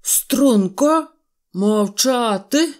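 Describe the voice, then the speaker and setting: A suspicious male toy general barks slow, heavy orders and sees enemies everywhere, as a woman puts him on. His voice is raised and emphatic, a storybook commander of tin soldiers. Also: mid-range voice, natural voice. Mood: commanding.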